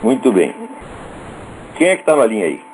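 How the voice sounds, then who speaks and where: A man's voice: on the low side, wildly swooping pitch, normal speed, a little mellow, a little hiss or hum, poor audio. A male radio host with a Brazilian accent, ranting in a scornful, profane and sarcastic monologue. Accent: Brazilian Portuguese.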